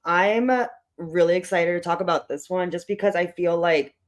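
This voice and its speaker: Opening an online meeting, a book club host chats loosely and uses many fillers. His voice is hoarse and tired, mid-range, at a moderate pace.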